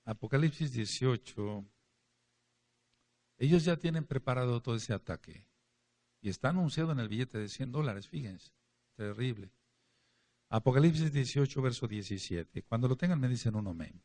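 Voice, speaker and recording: A man's voice: medium pitch, expressive, moderate pace, long pauses. Emphatic preacher man. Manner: emphatic preaching, asks for amens, swings between loud and quiet. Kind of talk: conspiracy-themed sermon with scripture reading.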